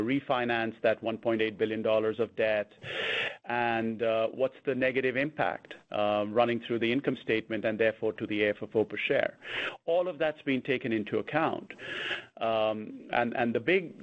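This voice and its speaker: A man speaking as a company executive, giving unscripted answers on an earnings call and often restarting his sentences. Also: mid-range voice. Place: conference call. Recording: dull, band-limited conference call audio.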